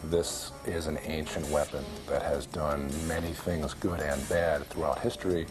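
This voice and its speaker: A man's voice: rumbling low, flat delivery, normal speed. A man speaking in an earnest, explanatory way in a documentary interview. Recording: music under the voice.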